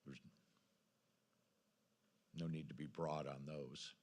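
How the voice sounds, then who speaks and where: Deep-voiced American man in a meeting. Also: steady tone, slow pace, darkish tone. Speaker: city council member running a meeting. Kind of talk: informal public meeting discussion. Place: council meeting room.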